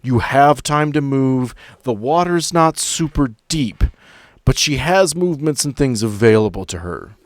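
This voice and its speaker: A man's voice: mid-range voice, lively intonation, a little slow, dry recording, studio quality. A man running a tabletop role-playing game, moving between dramatic scene-setting and casual asides as game master.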